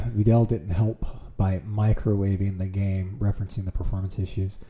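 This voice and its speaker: A man's voice: sits low, little pitch movement, moderate pace, mellow. A man streaming from home, reading aloud with amused reactions, with keyboard clicks nearby. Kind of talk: casual streaming commentary.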